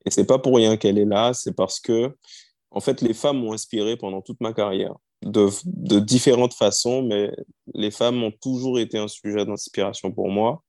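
Man, 30s, low warm voice, easygoing storyteller, dry close sound. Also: steady tone, normal speed, no echo. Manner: storytelling, easygoing, frequent fillers. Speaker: singer-songwriter guest. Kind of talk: relaxed interview talk.

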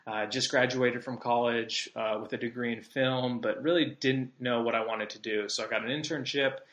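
A man's voice: medium pitch, fairly even intonation, normal speed, fairly bright tone, echoey room. A man of about thirty from Southern California, hosting a podcast in a chatty, rambling monologue with many fillers. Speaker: podcast host. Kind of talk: casual monologue.

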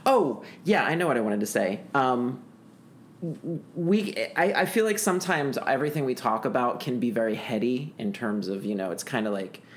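A man's voice: medium pitch, expressive, moderate pace, a little hiss or hum. A man co-hosting a podcast, chatting casually in a joking, rambling way with frequent restarts. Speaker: podcast co-host. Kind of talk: casual chat.

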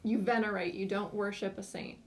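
A woman cohosting a casual Bible podcast, chiming in with quick corrections. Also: mid-range voice, fairly even intonation. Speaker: co-host. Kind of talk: casual chat.

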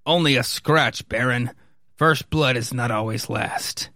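A man's voice: medium pitch, measured pace, pushed and bright, no room sound, studio quality. Man reading as an earnest, commanding army officer. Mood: defiant. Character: earnest, commanding military officers in melodramatic story. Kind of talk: amateur read-aloud dialogue.

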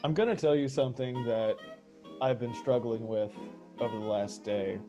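An actor playing a frightened, rambling man who confides in his therapist, earnest, halting and stammering. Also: medium pitch, dark tone, highs cut off, natural voice. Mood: anxious. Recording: music behind the voice.

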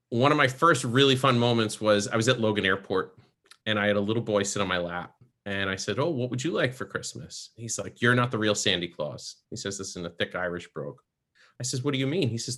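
Man, middle-aged, chatty, bright voice, storytelling guest. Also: mid-range voice. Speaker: guest, professional Santa performer. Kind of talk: storytelling in a podcast interview.

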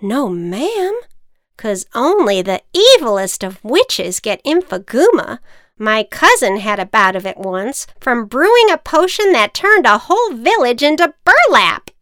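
A woman's voice: fairly high pitch, very animated, measured pace, fairly bright tone, no room sound, clean studio sound, voice pushed up. Woman doing a know-it-all wicked witch healer. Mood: bossy, matter-of-fact. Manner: confident, matter-of-fact diagnoses.

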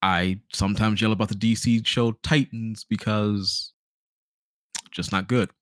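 A man's voice: lowish voice, fairly even intonation, unhurried, no echo, studio quality. A man hosting a podcast in a casual, slangy chat, acting out little imagined quotes as he talks. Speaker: podcast host.

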